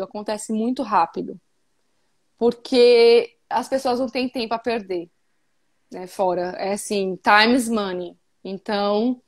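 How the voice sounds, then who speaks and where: A woman from Brazil in her thirties, talking casually and emphatically as an interview guest over a video call. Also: medium pitch. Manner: chatty, emphatic, many fillers.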